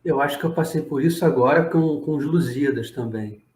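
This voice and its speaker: A man's voice: medium pitch, a little fast, a little mellow. A man hosting an interview, asking short, easygoing questions. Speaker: podcast host. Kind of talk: casual interview. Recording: roomy echo.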